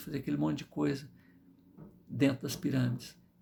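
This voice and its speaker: The voice belongs to a man. It has vocal fry. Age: 60s. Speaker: spiritist lecturer. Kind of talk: lecture. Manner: halting, with frequent repetitions.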